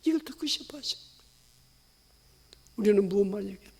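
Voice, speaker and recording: Impassioned high-voiced male pastor preaching. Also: lively intonation, fast, husky. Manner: impassioned, swings from hushed to shouting. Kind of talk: sermon.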